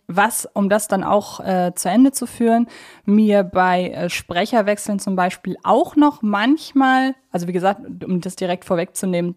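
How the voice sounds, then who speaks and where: A woman's voice: mid-range voice, a little mellow. A woman co-hosting a podcast, chatting casually and a little hesitantly, often circling back to rephrase her points. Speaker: podcast co-host. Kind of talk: casual discussion of an audio drama series.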